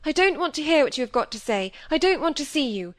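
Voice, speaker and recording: A woman's voice: a little high, lively intonation, moderate pace, fairly bright tone, pitched above the performer's own voice. A woman voicing a proud, wounded young woman who speaks in a cold, clipped, resolute way.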